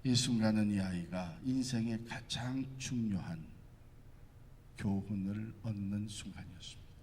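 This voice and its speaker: A man's voice: fairly low pitch, a little slow, darkish tone, slight background noise. A man preaching a sermon as pastor, with impassioned, repetitive cadences. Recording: echoey church hall.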